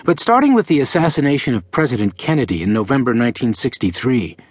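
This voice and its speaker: A male audiobook narrator at a mid pitch reads a first-person memoir with a lively, rising-and-falling melody. His telling is measured and expressive. He is recorded close in a dead, dry booth with no room sound. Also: dry recording.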